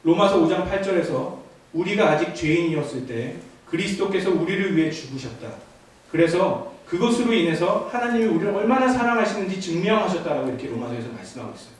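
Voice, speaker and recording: A man's voice: sits high, expressive, quick pace, slight background noise. A man in his thirties preaching a youth sermon, telling a family story with asides to the congregation. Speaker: youth ministry pastor. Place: church sanctuary. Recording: echoey church from far off.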